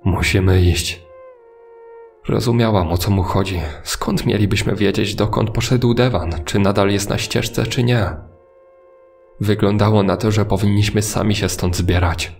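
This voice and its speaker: A man's voice: on the low side, fairly even intonation, normal speed, creaky, darkish tone, faint music behind. A man narrating a scripted first-person horror story.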